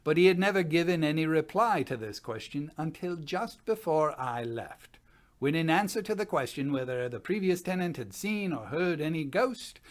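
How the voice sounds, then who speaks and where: A man in his sixties playing an Edwardian gentleman investigator, reading a period report in a formal, measured way. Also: on the high side. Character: Edwardian gentleman investigator chronicling a ghost hunt. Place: small home study.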